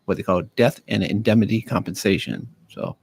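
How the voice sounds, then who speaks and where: A man with a fairly low voice speaks as a guest in a radio studio, searching for words with frequent "uh"s and restarts. The sound is dry and close on a studio microphone. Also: big pitch swings, gravelly, husky, no echo. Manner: halting, many fillers and restarts. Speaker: county veterans affairs officer, studio guest. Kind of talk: casual radio interview.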